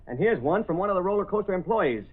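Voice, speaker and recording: Eager newsman, brash, high lively voice, tinny 1930s broadcast. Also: fast talker, slightly rough. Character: eager, brash male newspaper reporter. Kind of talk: 1930s radio drama acting. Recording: tinny old radio broadcast.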